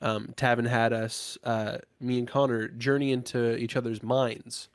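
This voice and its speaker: A man's voice: mid-range voice, flat delivery, a little slow, clear, resonant tone, no room sound. A man co-hosting a casual gaming podcast, congested from a cold, loose and casual as he runs through the show plugs. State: congested, getting over a cold. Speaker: podcast co-host opening the show. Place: podcast recording, indoors.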